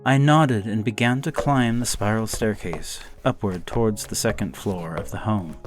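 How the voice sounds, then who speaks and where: Low-voiced man narrating a horror story. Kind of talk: scripted first-person narration.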